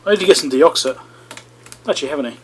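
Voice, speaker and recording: Talking at a racing pace in a slightly high voice, with a little hiss or hum on the recording, this electronics repair host gives casual running commentary. He talks himself through the fix and throws in chatty remarks for his viewers.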